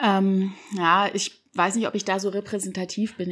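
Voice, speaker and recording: The woman's voice comes through on a very clean recording, with the background silent. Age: 30s. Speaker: doctor. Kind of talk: interview.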